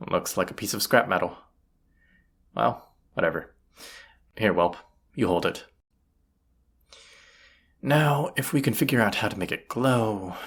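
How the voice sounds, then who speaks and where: An actor playing a gruff, teasing bandit leader in a roleplay audio drama, with a husky voice and a sardonic, folksy drawl. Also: mid-range voice, heavily acted.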